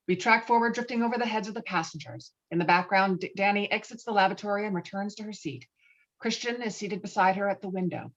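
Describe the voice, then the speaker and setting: A woman reads screenplay directions as the narrator of a table read. Her voice is on the low side. The audio is a little dull and lo-fi, as if over a video call. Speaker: narrator reading stage directions.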